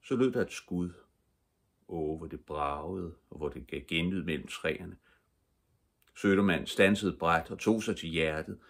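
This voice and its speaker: An older man reading a children's book aloud as a calm, measured bedtime story. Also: low voice, gravelly. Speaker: audiobook reader.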